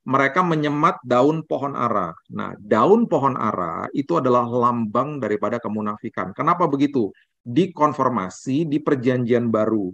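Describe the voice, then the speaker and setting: A male pastor preaching a sermon, lively and conversational, often tagging sentences with "ya" and "nah". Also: mid-range voice, moderate pace, creaky, no echo, muffled recording. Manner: animated storytelling preacher with filler "ya" and "nah".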